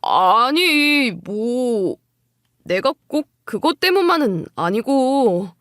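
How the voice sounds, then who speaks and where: A woman's voice: fairly high pitch, very animated, very slow, fairly bright tone, no echo, studio quality, exaggerated voice. A woman voicing a callous, defensive husband in a dramatised story, with a dismissive way of talking.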